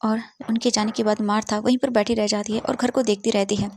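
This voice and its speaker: A woman's voice: medium pitch, level tone, brisk, darkish tone, a little hiss or hum. A woman telling a story in a casual, conversational narrating style, mixing in English words.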